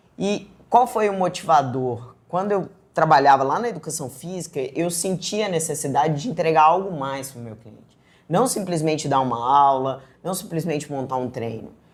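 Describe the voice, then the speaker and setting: The voice carries a Minas Gerais accent with lively intonation. The pace is moderate, with big swings in loudness. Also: woman, very deep, low pitch for a woman. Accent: mineiro accent, noticeable. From Brazil, Minas Gerais (Belo Horizonte). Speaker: customer experience consultant. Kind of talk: interview.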